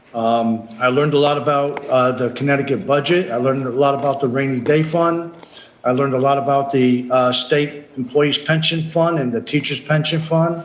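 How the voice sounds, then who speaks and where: With audible room echo and noticeable background noise, a man talks at a moderate pace in a fairly high pitch, his loudness very even and his intonation fairly even. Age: 70s. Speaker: political candidate. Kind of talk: interview. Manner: halting.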